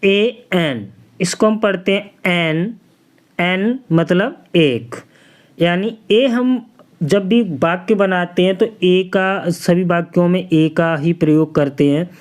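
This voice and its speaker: A man's voice: sits high, slow. A man teaching English pronunciation, spelling out each short word letter by letter and then saying it again with its meaning.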